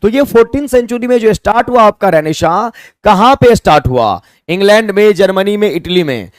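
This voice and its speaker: A man with an Indian accent leads a live online English lesson in a mix of Hindi and English. His voice sits high and swings widely in pitch as he spells terms letter by letter. The sound is dry and close, with no room around it. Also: expressive, fairly quick, no echo. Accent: Indian, Hindi-speaking. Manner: mixes Hindi and English, asks viewers to comment answers. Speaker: English teacher. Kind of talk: live online exam-prep class.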